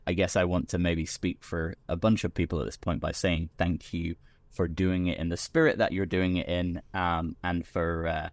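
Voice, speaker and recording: A British man, a podcast guest, talking in a relaxed, rambling way with many restarts. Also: deep voice, moderate pace, no echo. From Britain. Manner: chatty, full of restarts and repeated words. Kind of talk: casual chat.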